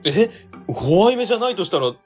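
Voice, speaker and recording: An actor playing an excitable young male colleague who gets easily flustered, in an amateur web radio drama. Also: high voice, breathy edge, faint music behind, exaggerated voice. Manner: flustered, quick questions.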